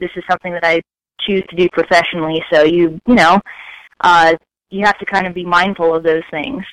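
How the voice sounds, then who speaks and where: Her tone is bright and sharp, fairly low for a woman, with an American accent and fairly even intonation at a fairly quick pace. The sound is dry and close with no echo. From South Florida (Fort Lauderdale). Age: 30s. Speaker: recording artist. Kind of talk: interview.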